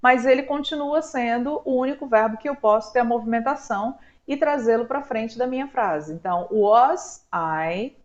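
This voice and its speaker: A Brazilian woman with a somewhat high voice, teaching an online lesson in a patient, step-by-step way. She drags out her example words slowly and keeps checking in with the listener. The recording is a bit dull and lo-fi, with light typing on a keyboard behind her. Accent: Brazilian Portuguese. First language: Portuguese. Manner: slow drawn-out model words, frequent "tá?". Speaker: English teacher. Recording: slightly dull lo-fi sound.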